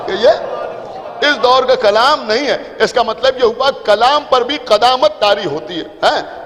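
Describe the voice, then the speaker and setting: A man's voice: sits high, fairly bright tone. A male preacher with a Lucknow Urdu accent giving a sermon to a seated congregation, explaining things simply, repeating his points and checking that the audience follows. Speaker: Shia preacher addressing a majlis. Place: large imambara hall. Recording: reverberant hall.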